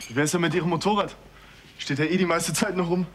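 A man's voice: a little high, steady tone, fast talker, noisy background, close to an everyday voice. A young man acting as a friendly, somewhat tactless character in a naturalistic TV drama, casual and conversational.

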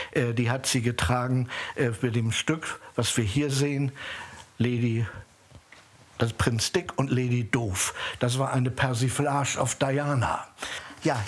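A journalist talking through keepsakes in an interview, in a hesitant, rambling way. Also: male voice, medium pitch, slight background noise. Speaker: journalist keeping an estate. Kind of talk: interview on camera.

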